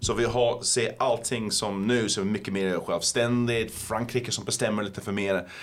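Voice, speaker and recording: A man with a non-native accent keeps to a moderate pace. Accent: English-speaking accent in Swedish. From northern England (North Yorkshire). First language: English (speaking Swedish). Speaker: think tank founder and EU lobbyist. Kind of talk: interview. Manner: halting, many fillers.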